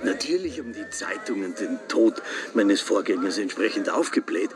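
A man's voice: lowish voice, expressive, moderate pace, crowd noise, lightly acted. An actor playing a defensive small-town official who rambles as he justifies himself in a radio drama. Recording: noisy background.

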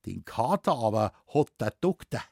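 A man voicing a sly, gruff old forest warden who speaks in broad Bavarian dialect, drawling and mischievous. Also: mid-range voice, big pitch swings, normal speed, a little mellow, dry recording, clean studio sound.

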